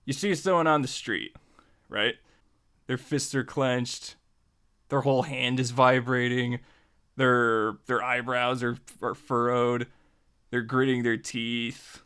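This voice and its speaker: A man's voice: medium pitch, little pitch movement, slow pace, a bit bright, clear, resonant tone. Casual, jokey American man teaching. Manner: jokey, conversational, addresses listener directly. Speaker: host of a writing tutorial series. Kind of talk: casual tutorial talk to the listener.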